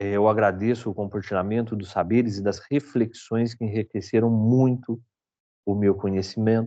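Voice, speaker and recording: A man speaks at a moderate pace with a fairly low voice. His intonation stays flat and monotone. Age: 50s. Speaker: psychoanalyst and teacher. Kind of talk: thesis presentation. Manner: formal.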